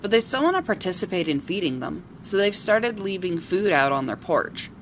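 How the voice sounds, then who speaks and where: A woman playing a kindly local who befriends forest creatures in an audio drama, talking in a gentle, earnest, storytelling way. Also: fairly low pitch, big pitch swings, normal speed, slight background noise, poor audio. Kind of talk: amateur audio drama acting.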